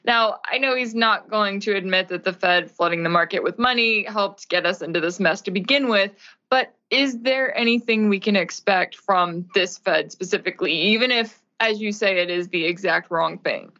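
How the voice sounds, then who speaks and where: A woman's voice: medium pitch, normal speed, sharp tone, lo-fi sound. A woman hosting a talk radio interview, asking leading questions in a conversational way. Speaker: radio show host.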